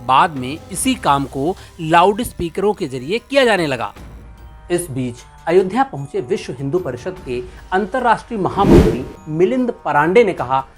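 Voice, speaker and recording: News explainer presenter, Indian accent, medium pitch, reads from script over a music bed. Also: big pitch swings, normal speed. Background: background music.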